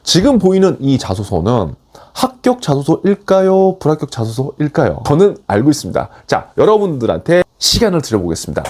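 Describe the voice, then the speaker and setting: A man's voice: on the high side, wildly swooping pitch, brisk, a little mellow. A man giving an online lecture as a job application coach, emphatic and urging, often switching into blunt casual speech.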